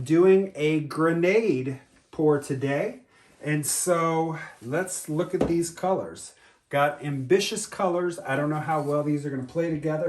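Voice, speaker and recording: A man with a fairly high pitch speaks at a moderate pace, noticeable background noise behind him. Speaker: acrylic pour artist. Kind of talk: tutorial. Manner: casual, hesitant with fillers.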